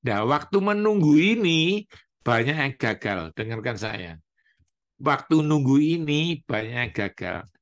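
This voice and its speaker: A male pastor preaches at an unhurried pace, leaning on each phrase. His delivery is animated, and he jumps into raised voices to play out his congregants' complaints before answering them. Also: mid-range voice. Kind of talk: sermon.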